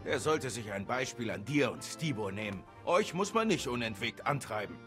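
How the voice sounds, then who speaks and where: Stern medieval father, grumbling, lively pitch, clear game music behind. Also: normal speed. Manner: stern, grumbling about lazy helpers. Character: stern village father, gruff and scolding. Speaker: game character. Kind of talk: video game voice acting.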